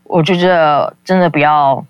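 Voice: medium pitch, moderate pace, clear, resonant tone, no echo. A caller, telling a personal story in a casual, rambling way, full of fillers and acting out the people quoted. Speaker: call-in guest.

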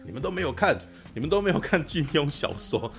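This podcast co-host, a man in his forties, talks fast in a slightly high voice over soft background music. It's a casual chat, and he spins stories with animation, repeatedly asking "you know?"

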